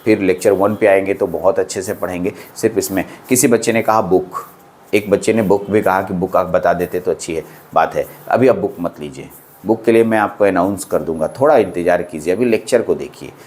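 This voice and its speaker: A man's voice: deep voice, brisk, a little mellow. A man lecturing polytechnic students on microcontrollers in a chatty, reassuring way, repeating phrases and often saying "theek hai". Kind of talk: classroom lecture in casual Hindi with English terms.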